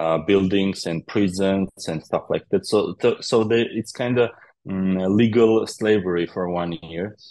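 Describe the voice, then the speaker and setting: A man with a Georgian accent speaks at a fairly slow pace, fairly low in pitch, with a dark, mellow tone and fairly even intonation. The sound is dry and close with no echo, against a quiet background. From Georgia (country). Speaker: politician. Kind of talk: interview. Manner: halting.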